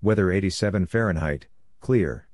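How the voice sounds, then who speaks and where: Man, very deep voice, clipped radio-exchange readout, faint hiss behind. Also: normal speed. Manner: clipped, plain, spaced out phrases. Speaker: Morse code practice reader. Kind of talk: slow spoken readout of a practice radio exchange.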